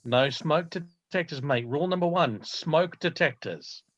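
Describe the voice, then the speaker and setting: A man's voice: on the high side, measured pace. A man playing a laid-back, blunt policeman in a comedy table read, casual and blokey, on muffled audio. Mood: mildly stern. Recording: dull, muffled online call audio.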